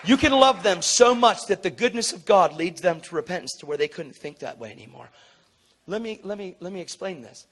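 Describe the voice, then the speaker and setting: A man preaching a sermon through a story, acting out the people he quotes with sudden loud high jumps and dropping to a soft, earnest low tone. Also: a little fast, a faint crowd. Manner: animated, acts out quotes with big jumps in pitch and volume; drops to a low, soft, earnest tone for tender moments.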